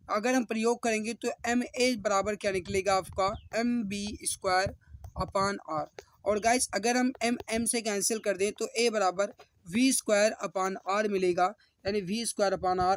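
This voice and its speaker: High-pitched man teaching an exam class. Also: a bit bright. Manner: instructional, often addressing listeners directly. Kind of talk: exam question walkthrough for students.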